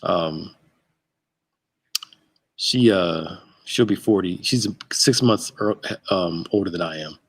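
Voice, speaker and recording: A man's voice: deep voice, slow, long pauses. A man in his thirties, a pastor hosting a casual chat show from a church sanctuary, laid-back and joking. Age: 30s.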